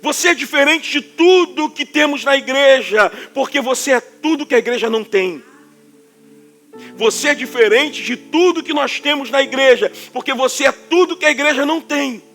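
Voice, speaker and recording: Man, Carioca accent, pastor, emphatic sermon delivery, high voice, faint music behind. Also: moderate pace. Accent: Carioca Portuguese. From Rio de Janeiro, Brazil. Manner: forceful, emphatic preaching that sounds like scolding.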